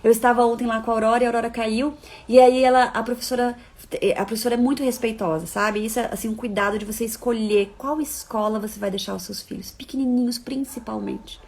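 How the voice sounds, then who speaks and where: Expressive woman giving parenting advice. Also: on the high side, fast. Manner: expressive, swings from soft coaxing to emphatic. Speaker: parenting educator. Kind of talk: live-stream advice talk.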